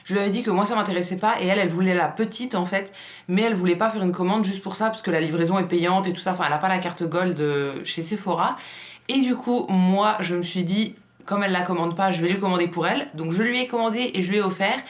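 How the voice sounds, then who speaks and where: A woman's voice: medium pitch, quick pace. A woman vlogger who has just woken up, chatting casually with a tired morning voice. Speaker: beauty vlogger. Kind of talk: casual vlog chat.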